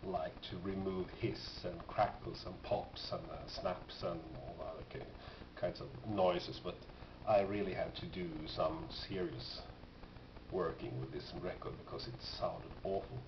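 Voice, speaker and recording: Male collector, casual halting presenter; dull sound with clear noise. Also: sits low, steady tone. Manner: halting, pausing, thoughtful delivery. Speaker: record collector presenting finds. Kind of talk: casual unscripted show-and-tell. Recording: dull, noisy, echoey home recording.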